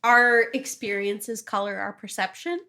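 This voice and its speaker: Woman on a chatty podcast, super bright sharp voice, animated, pokes fun at herself, swears a bit. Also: medium pitch, unhurried. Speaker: podcast co-host. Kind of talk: casual podcast chat.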